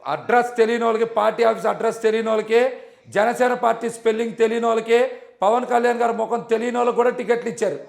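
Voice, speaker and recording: A man's voice: very high voice, steady tone, very fast, gravelly. A man in a heated political debate, combative and insistent, repeating his challenges over and over. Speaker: political party leader as debate guest.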